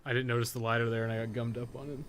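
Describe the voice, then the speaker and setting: A man's voice: mid-range voice, flat delivery, very fast, noisy background. A man giving casual, candid live gameplay commentary in an informal, conversational way, as a streamer chatting with viewers. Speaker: game streamer and guide maker.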